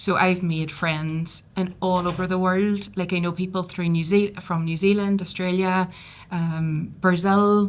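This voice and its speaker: A woman's medium-pitched, monotone, flat delivery at a fairly slow pace, with a strong Irish accent. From rural Ireland. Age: 40s. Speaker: architecture digital design professional and mentor. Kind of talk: podcast interview. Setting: live at industry event.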